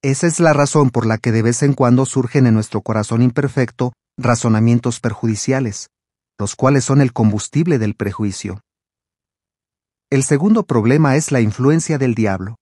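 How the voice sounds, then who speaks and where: A man giving calm, scripted narration for a religious video, explaining things clearly. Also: medium pitch, normal speed, no echo, studio quality.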